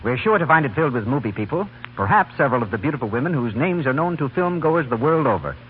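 A man's voice: mid-range voice, very animated, quick pace, narrow, tinny audio, slight background noise. A man working as a radio announcer, reading a polished 1930s-style scripted broadcast introduction.

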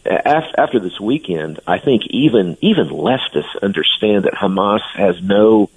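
A man's voice: fairly low pitch, expressive, unhurried, slightly rough, poor audio. A man speaking as a guest on a radio interview, giving earnest, blunt opinions. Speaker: guest commentator.

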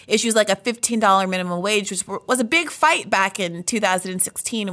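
Host: woman, mid-pitch, earnest, winds through long questions. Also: a bit bright. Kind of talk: interview.

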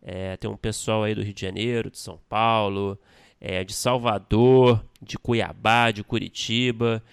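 A man's voice: fairly low pitch, fairly even intonation, a little slow, gravelly, clear, resonant tone. A man co-hosting a podcast, casual and earnest in tone. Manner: teasing, then earnest and congratulatory. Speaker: podcast co-host.

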